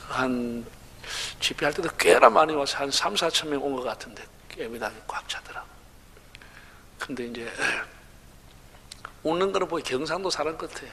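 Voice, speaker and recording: A pastor with a Gyeongsang Korean accent preaches at a revival meeting in a large church sanctuary, chatty and humorous as he jokes with the congregation. His voice sits on the high side, animated, pushed and bright, at normal speed with long pauses. The recording in the reverberant church hall carries a little hiss or hum.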